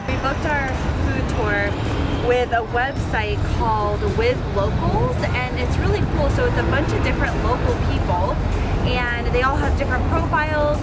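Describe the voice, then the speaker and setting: A woman hosting a travel vlog, chatting casually and upbeat, using a lot of "like". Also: fairly high pitch. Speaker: travel vlogger host.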